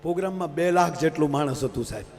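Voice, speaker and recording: A man's voice: a little high, rapid-fire, slight background noise. A man, a folk comedian telling stories to a live crowd, who keeps addressing the audience and acts out the voices in his jokes. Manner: lively storytelling with acted quotes and asides to the audience. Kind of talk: Gujarati folk stage humor storytelling. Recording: live stage PA with long hall reverb.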